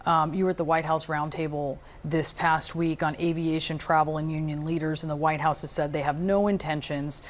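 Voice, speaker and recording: A woman's voice: low-pitched, fairly even intonation, fairly quick, few pauses. A woman interviewing on a news broadcast, asking probing questions in a conversational way.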